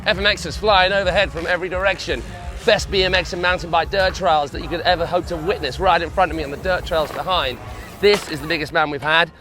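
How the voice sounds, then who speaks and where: A man's voice: fairly high pitch, fairly even intonation, quick pace, pushed and bright, soft background music. A man presenting a motorsport show to camera in an upbeat, showy way. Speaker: event presenter.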